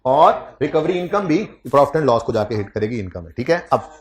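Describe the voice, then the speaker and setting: A man's voice: medium pitch, lively intonation, a little fast. Teasing man lecturing a class. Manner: conversational, teasing students, repeats key points. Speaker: accounting lecturer.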